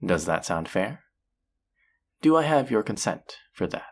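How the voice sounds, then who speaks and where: Someone voicing a teasing demon dealer, deep n breathy, flirty and possessive, intimate roleplay style, takes their time. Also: sing-song, a little mellow, full character voice. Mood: flirty, eager. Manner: teasing, taunting, slow and drawn-out. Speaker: voice actor in an audio roleplay.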